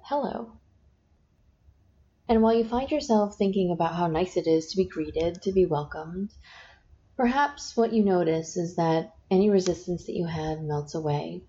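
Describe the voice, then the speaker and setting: A woman guiding a hypnosis session, speaking in slow, soft, repetitive suggestions. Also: fairly low pitch. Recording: dull lo-fi sound with faint noise.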